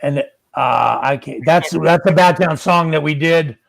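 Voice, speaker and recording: An older man talks casually, like a musician swapping stories. His voice is gravelly and a touch high, recorded very dry, and he acts out quoted lines as he goes. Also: unhurried, no room sound. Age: 50s or older. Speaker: musician guest. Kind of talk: casual chat.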